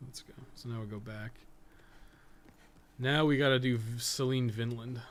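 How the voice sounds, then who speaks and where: A man's voice: mid-range voice, steady tone, moderate pace. A man chatting casually as he livestreams a game, rambling, rephrasing his points and swearing casually. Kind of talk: casual chat while playing, answering viewers.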